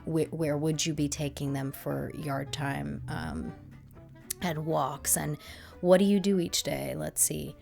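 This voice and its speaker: Low-voiced woman telling a lively story. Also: slow pace, vocal fry, soft background music. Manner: animated, acts out voices, laughs often. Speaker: podcast guest. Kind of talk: casual storytelling.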